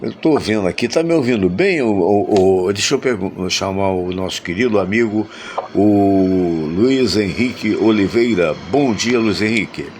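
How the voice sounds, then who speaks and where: A man's voice: fairly low pitch, a little slow, darkish tone, slight background noise. A Brazilian man hosting a casual sports chat over a video call, nasal and stuffy from a flu shot, folksy and chatty. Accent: Brazilian Portuguese. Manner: folksy, chatty, many "né?" tags. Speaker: host.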